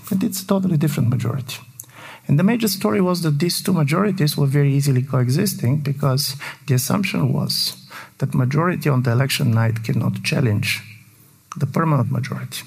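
A man with a Bulgarian accent talks very fast at a fairly high pitch, with lively intonation and very even loudness. Noticeable background noise and audible room echo are present. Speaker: political scientist. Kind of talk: lecture. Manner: halting.

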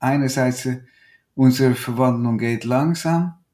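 A man at a very slow pace with ordinary pitch variation, on a very clean recording with a silent background. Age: 70s. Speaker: kundalini yoga teacher. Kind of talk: interview. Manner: hesitant with fillers.

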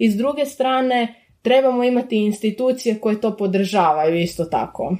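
This woman has an unremarkable speaking voice, fairly high in pitch, with ordinary pitch variation, very even loudness and a moderate pace. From Croatia, Opatija. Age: 20s. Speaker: civil society worker. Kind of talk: interview.

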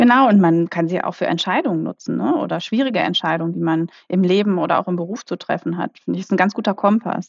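A woman talks at a very fast pace, with hardly any pauses. Her medium-pitched voice carries vocal fry and ordinary pitch variation. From Ruhr area, Germany. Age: 40s. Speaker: HR executive. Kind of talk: interview.

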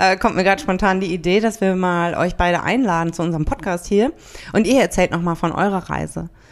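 The speaker has an unremarkable speaking voice. Delivery is fairly quick, with ordinary pitch variation. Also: woman, medium pitch for a woman. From Berlin, Germany. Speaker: podcast co-host. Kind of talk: casual chat.

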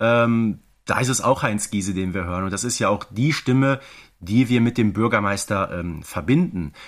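A man has an ordinary speaking voice, fairly low in pitch with ordinary pitch variation, at a moderate pace. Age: 30s. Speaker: podcast co-host. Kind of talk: casual chat. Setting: remote recording.

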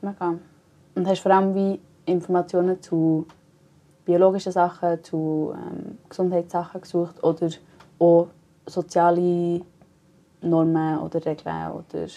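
A woman with a Swiss accent speaks at a fairly slow pace with long, frequent pauses, her fairly low pitch flat and monotone in a dark, mellow tone. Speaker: podcast host. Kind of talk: interview.

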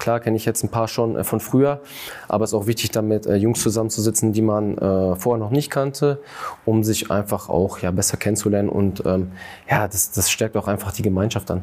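Keeping his loudness very even, a man with a fairly low pitch speaks at a fairly quick pace in fairly even intonation. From Germany, Ruhr area (Gelsenkirchen). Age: 30s. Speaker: professional footballer. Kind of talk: interview. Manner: halting.

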